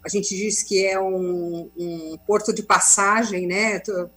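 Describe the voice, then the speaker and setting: A woman's voice: medium pitch, little pitch movement, slow pace, fairly bright tone, husky, soft background music, low-quality recording. A woman host introducing a guest and chatting politely over a video call. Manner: welcoming, polite, conversational. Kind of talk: web conference hosting.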